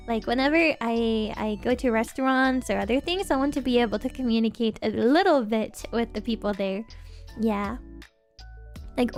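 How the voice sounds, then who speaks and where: High-voiced, giggly young woman. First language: Norwegian. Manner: chatty, giggly and rambling. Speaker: streamer. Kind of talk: casual livestream chat.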